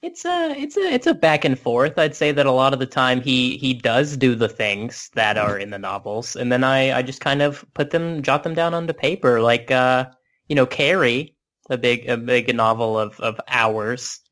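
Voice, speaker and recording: Comedy bit: man plays sly deadpan co-author, even mid voice. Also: mid-range voice, normal speed, lightly acted. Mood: dry.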